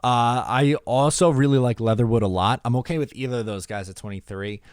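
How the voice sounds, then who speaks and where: A man's voice: mid-range voice, fairly quick, clear, resonant tone, dry recording, clean studio sound. A man hosting a podcast, talking sports casually and giving blunt, opinionated answers. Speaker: podcast host answering voicemails.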